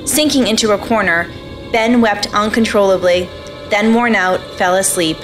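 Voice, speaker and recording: A woman's voice: mid-range voice, moderate pace, poor audio. Woman narrating radio drama, music behind. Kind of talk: scripted radio play narration. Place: stage. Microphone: stand microphone.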